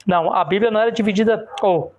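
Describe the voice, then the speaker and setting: A man from Rio do Sul, a pastor preaching a sermon in church with call-and-response. He keeps asking the congregation for agreement and grows loud and emphatic as he presses each point. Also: high voice, fast, slight background noise. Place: church service in front of a congregation.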